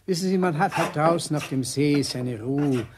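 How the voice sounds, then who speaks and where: A man's voice: on the high side, normal speed, lightly acted. An actor playing a polite, affable, chatty male customer in a German children's audio play. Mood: genial. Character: genial, chatty male customer who sails for pleasure. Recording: workshop rasping and knocking noise behind.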